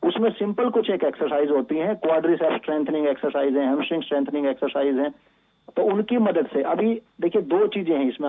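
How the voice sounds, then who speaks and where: The sound is narrow and phone-like, carrying a man's fairly high voice. He is a medical expert on a call-in show, explaining patiently and instructively. His speech is sprinkled with English medical terms. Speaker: doctor, physiotherapy expert guest. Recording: thin phone-like band-limited line.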